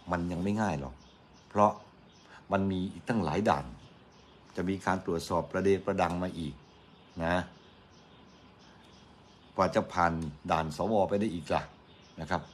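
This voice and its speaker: A man's voice: sits low, slight background noise. A middle-aged man from Thailand giving casual, argumentative morning news commentary on radio, chatty and quoting his critics mockingly.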